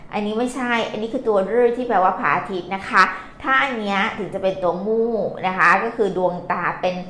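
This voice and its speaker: A woman's voice: medium pitch, a bit bright. A woman teaching vocabulary live, patiently explaining character strokes and quizzing her viewers. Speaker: Chinese language teacher. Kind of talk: live-streamed vocabulary lesson. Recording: echoey room, faint noise.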